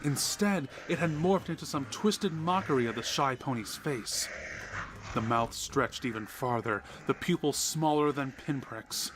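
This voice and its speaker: A man's voice: medium pitch, unhurried, noisy background. A man reading a horror story as a dramatic scripted narration. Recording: music behind the voice. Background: music.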